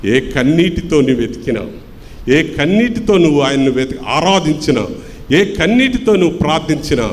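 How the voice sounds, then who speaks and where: A man's voice: fairly high pitch, big-room sound. A man preaching a sermon, repeating lines in a rhythmic cadence and posing rhetorical questions. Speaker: pastor. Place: church.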